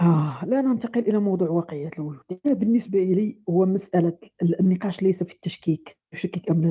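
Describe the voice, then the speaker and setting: This man's voice sits high in pitch. He speaks at a moderate pace. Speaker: participant. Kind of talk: live audio room discussion. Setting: online audio room.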